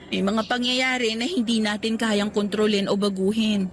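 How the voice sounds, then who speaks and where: A woman playing a sweet, homesick young worker in a radio drama, gentle, polite and earnest. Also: medium pitch, little pitch movement, moderate pace, crowd noise, close to an everyday voice. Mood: gentle, resigned. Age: young adult. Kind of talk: Tagalog radio drama acting.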